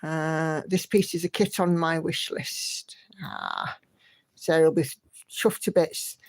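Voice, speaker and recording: This livestream host's voice sits low and swoops wildly in pitch, delivered slowly with vocal fry. She chats casually and encouragingly, reading viewer comments aloud and humming to herself.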